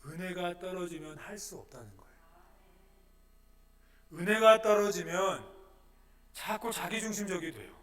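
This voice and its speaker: A male pastor preaching a sermon, asking questions and moving between soft and loud. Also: sits high, animated, normal speed, pauses often, far from the mic. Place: church sanctuary.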